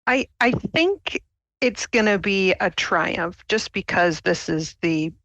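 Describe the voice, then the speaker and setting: Gravelly, low-voiced woman player. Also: expressive, takes it slowly, fairly bright tone, no room sound, poor audio.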